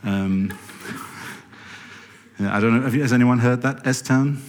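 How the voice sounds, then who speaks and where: A man's voice: mid-range voice, slow pace, a little hiss or hum. A man giving a conference talk to an audience, rambling and correcting himself, with wry asides. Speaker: podcast producer giving a talk. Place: lecture hall with audience. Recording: reverberant hall.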